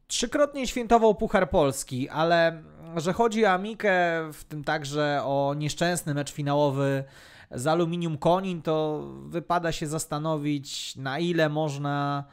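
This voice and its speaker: A man hosting a sports podcast, recounting a career in a prepared, narrative style. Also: a little high. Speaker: podcast host. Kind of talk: semi-scripted sports biography narration.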